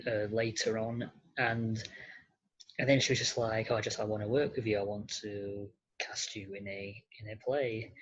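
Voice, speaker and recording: A podcast guest with a masculine-sounding voice answers conversationally in a halting, hesitant way, on slightly muffled audio. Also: mid-range voice, a bit bright.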